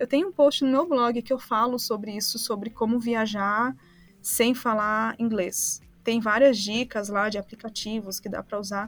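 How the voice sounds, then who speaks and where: A woman with a fairly high voice speaks at a moderate pace with ordinary pitch variation, in an ordinary speaking voice. The recording is very clean, with a silent background. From Brazil. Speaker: digital nomad, travel blogger. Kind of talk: interview.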